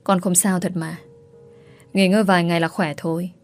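A woman's voice: fairly low pitch, level tone, fairly quick, soft background music, lightly acted. A woman voicing an injured, weary young wife in a spoken story. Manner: curt, weary.

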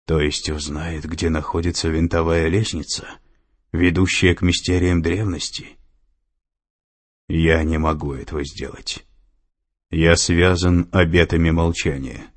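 A man's voice: low voice, flat delivery, measured pace. A man voicing a defiant older man under arrest, angry and stubborn in manner.

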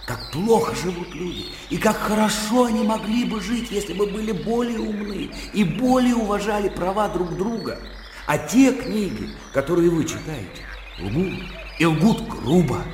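A man's voice: a little high, a little mellow, roomy sound, long reverb tail, a little hiss or hum, close to an everyday voice. An actor playing a lecturing educated man. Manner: didactic, lecturing. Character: earnest, lecturing educated man, self-assured. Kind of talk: radio drama acting.

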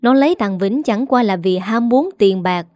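A woman's voice: mid-range voice, expressive, normal speed, a little mellow, no echo, studio quality, natural voice. A woman voicing a harsh, scolding old mother-in-law with a cutting, contemptuous manner.

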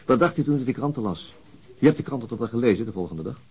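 A man's voice: mid-range voice, expressive, rapid-fire, breathy edge, muffled recording. An actor playing a gloomy, bitter middle-aged chief inspector and father in a radio drama, blunt and sardonic. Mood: probing, measured. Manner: grumbling, sardonic, blunt and coarse. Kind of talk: naturalistic radio drama acting.

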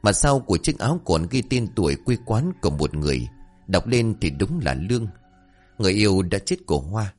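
A man narrating a horror story dramatically, swinging between tense and hushed delivery. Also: on the low side, sing-song, fairly quick, soft background music.

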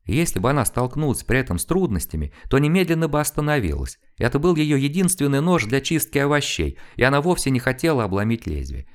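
A man reading a novel aloud as an audiobook narrator, in a measured, expressive storytelling manner. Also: medium pitch. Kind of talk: scripted literary narration.

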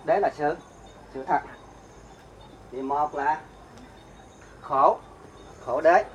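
A man's voice: fairly high pitch, drawn-out words, muffled recording, slight background noise. A man, a Buddhist monk, giving a dharma talk, questioning his listeners and explaining terms one by one. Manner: asks the audience questions and answers himself; explains terms step by step, recites verse.

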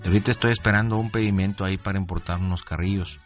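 A man's voice: deep voice, fairly even intonation, racing, faint music behind, pitched below the performer's own voice, close to an everyday voice. A man putting on a chummy car dealer. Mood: friendly prying. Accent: Mexican. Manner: chummy, slangy, pushy questioning. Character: smooth-talking male used-car dealer, adult. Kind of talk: prank phone call.

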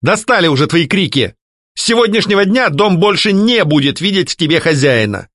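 A man voicing a sharp-tongued young woman who mocks and scolds her ghost ex-husband. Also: on the high side, very animated, moderate pace, dry recording, studio quality, voice pushed up. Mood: stern. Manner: mocking, scolding, ironic. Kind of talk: audiobook character voicing.

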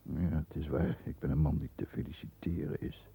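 A man acting a stern, proud middle-aged lawyer in a 1960s radio play, speaking with formal, measured diction. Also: very deep voice, steady tone, vocal fry, dark tone, husky, exaggerated voice. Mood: grim, agitated. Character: stern, proud male lawyer protecting the family name. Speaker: actor in a radio drama. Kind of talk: 1960s Dutch radio play acting, first-person narration and dialogue. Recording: muffled, thin 1960s radio recording.

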